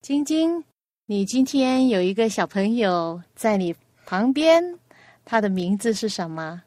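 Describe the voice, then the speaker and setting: A woman hosting a children's radio program, asking a young guest patient, coaxing questions and telling a gentle story. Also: mid-range voice, lively intonation, a little slow, no room sound, studio quality.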